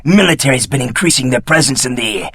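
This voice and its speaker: A man voicing a cowardly, wheedling prisoner in a video game, raspy and creaky, with a nervous, slangy stammer. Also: medium pitch, animated, fast, fairly bright tone, no room sound, studio quality. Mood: cynical. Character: jittery, cowardly, wheedling male prisoner, cynical and eager. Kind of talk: video game character acting.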